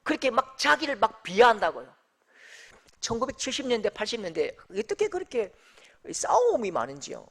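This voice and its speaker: A man's voice: extremely high pitch, brisk, vocal fry. A male pastor with a Daegu accent, preaching an emphatic sermon to his congregation. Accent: Daegu dialect. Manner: animated and emphatic, addressing the congregation.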